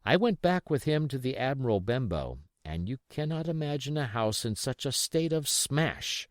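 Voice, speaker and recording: Expressive male audiobook narrator, lively pitch. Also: moderate pace, no room sound, clean studio sound. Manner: expressive storytelling. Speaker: audiobook reader. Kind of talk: scripted dramatic narration of an adventure novel.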